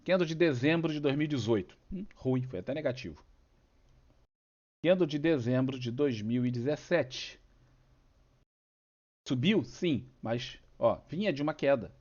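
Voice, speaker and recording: With a cold and a cough, a Brazilian stock market channel host chats informally about charts and keeps asking rhetorical questions. He speaks in a medium-pitched, darkish voice with a Brazilian Portuguese accent, lively in intonation but measured in pace, pausing often. The recording is muffled.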